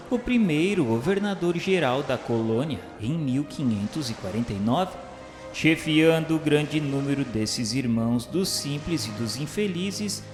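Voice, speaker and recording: A man with a Brazilian Portuguese accent reads a religious radio drama narration in a formal, solemn, measured way. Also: medium pitch. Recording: roomy reverberant sound with music underneath. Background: music.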